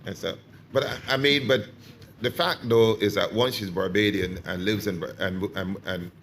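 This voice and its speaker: A man's voice: on the low side, fairly even intonation, moderate pace, gravelly, a bit bright, a little hiss or hum. A man moderating a public consultation, probing and pushing speakers to give their opinions. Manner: probing, pushes for answers. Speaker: commission chair leading the session. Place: community meeting hall.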